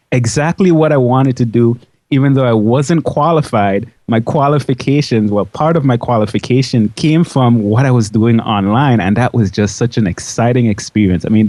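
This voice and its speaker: A man's voice: medium pitch, a little mellow, dry recording. A man from the Dutch side of a Caribbean island, schooled in Dutch, telling his story as an enthusiastic, chatty interview guest. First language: Dutch-schooled, fluent English. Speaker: interview guest, biology educator.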